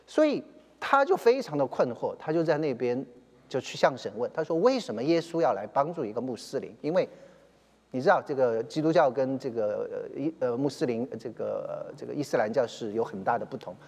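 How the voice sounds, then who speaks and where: A man's voice: medium pitch, animated, brisk, gravelly. Man preaching in an echoing hall. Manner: retells a story with many fillers and English phrases mixed in. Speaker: church elder preaching. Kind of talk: sermon storytelling.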